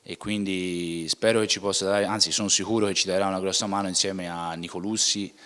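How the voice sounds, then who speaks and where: A young man with a low voice answers questions as a footballer, speaking plainly and often restarting his phrases. He talks into a handheld mic in an indoor room. The room adds a long reverb behind him. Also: steady tone, fairly quick, a bit bright. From Tuscany, Italy. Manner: plain, with frequent restarts and filler "ecco". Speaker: footballer, interview guest. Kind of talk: casual interview answers. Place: indoor club museum room.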